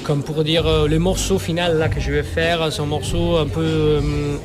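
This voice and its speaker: A man's voice: fairly high pitch, little pitch movement, normal speed, a crowd in the background. Man searching for French words. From Sicily. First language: Sicilian. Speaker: musician guest. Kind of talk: radio interview.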